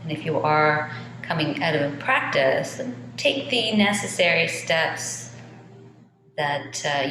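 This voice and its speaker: A woman teaching yoga, leading a guided meditation in a gentle, unhurried, soothing manner. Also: sits low, background noise. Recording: echoey reverberant room with music behind.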